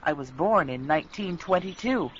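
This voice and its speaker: An older woman speaking lively scripted dialogue in a language lesson. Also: sits low, moderate pace. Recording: dull lo-fi recording with faint noise.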